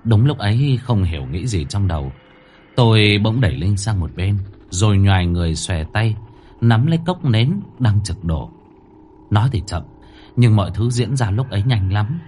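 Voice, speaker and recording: A man's voice: lowish voice, expressive, moderate pace, a little mellow, a little hiss or hum. A man narrating a horror story in a dramatic, suspenseful manner. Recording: faint music bed under the voice.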